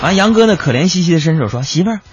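A man's voice: a little high, lively intonation, racing, dull audio, slight background noise. A male radio comedy host, chatting and reading out listener messages, laughing at his own jokes and acting out the voices.

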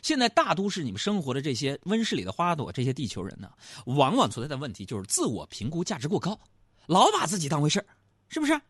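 A middle-aged man tells comic stories to his audience in a chatty, teasing way. His pitch swings up and down a lot and sits a little high for a man. The sound is dry and close, with no room echo. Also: wildly swooping pitch, fast, fairly bright tone, breathy edge. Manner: chatty, teasing, asks the audience rhetorical questions. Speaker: comedy talk show host. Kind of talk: comic storytelling monologue.

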